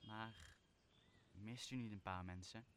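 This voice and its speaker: Man acting exiled magician, low voice, solemn, measured, commanding, Shakespearean radio drama, noisy amateur recording. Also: steady tone, fairly bright tone. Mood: solemn, reassuring. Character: commanding exiled magician, stern yet forgiving master.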